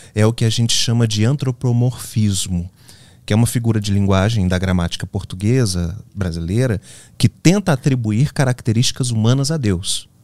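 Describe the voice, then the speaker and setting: In a very clean recording with a silent background, a man with an unremarkable speaking voice talks at medium pitch and a moderate pace, with ordinary pitch variation. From Minas Gerais countryside, Brazil. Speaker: writer and theologian. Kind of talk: casual interview chat.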